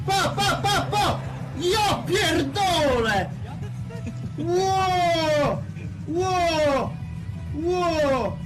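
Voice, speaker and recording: A man livestreaming a game with loud, exclamatory, crude live commentary. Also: very high voice, animated, extremely slow, long pauses, over loud music, low-quality recording. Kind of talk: excited live gaming commentary.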